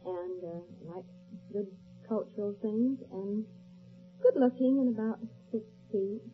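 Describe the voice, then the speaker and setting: A quiet, reserved woman giving short interview answers as a contestant on an old radio quiz show. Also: medium pitch, a little slow, faint music behind. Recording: vintage radio, thin phone-like band.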